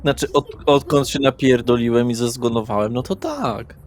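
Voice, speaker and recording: A man's voice: medium pitch, normal speed, soft background music, lightly acted. A man voicing a young, naive party guy in an audio roleplay, chatty and pestering with slangy swearing. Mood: confused. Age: young adult.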